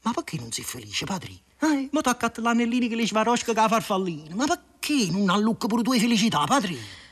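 An excitable Neapolitan working man, played by a male actor shouts over his lottery win in a live stage scene. His husky voice leaps all over the place, high then low. The outbursts keep repeating themselves. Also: fairly quick, exaggerated voice. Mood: excited. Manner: animated, raspy, repetitive exclamations. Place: radio studio, live performance.

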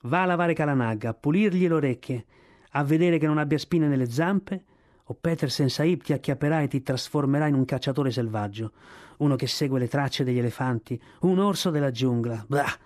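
A man's voice: medium pitch, fairly quick, darkish tone, close to an everyday voice. A man reading aloud, voicing a stern elephant-driver father who scolds his son. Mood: scolding. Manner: gruff, scolding.

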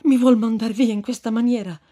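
A woman's voice: high voice, a little slow, voice pushed up. A woman reading aloud and voicing a desperate young man who pleads with raised cries. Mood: pleading.

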